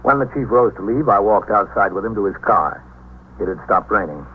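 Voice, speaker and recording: An actor playing a calm police captain who narrates in a measured, matter-of-fact 1950s radio drama style. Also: male voice, fairly low pitch, close to an everyday voice. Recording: tinny old radio recording with faint hiss.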